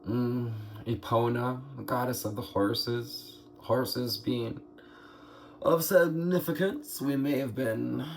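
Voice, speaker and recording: A man with a scratchy, hoarse throat doing a slow, musing spiritual tarot reading, clearing his throat now and then. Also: mid-range voice. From United States. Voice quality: gravelly. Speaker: tarot reader.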